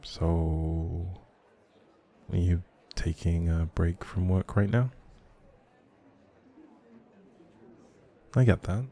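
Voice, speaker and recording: Man playing a low, creaky, shy young writer. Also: takes it slowly, warm tone, full character voice. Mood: friendly, shy. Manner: rambling, hesitant, apologetic, chatty. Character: shy, socially anxious, friendly young male writer, café regular. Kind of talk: intimate audio roleplay addressed to the listener.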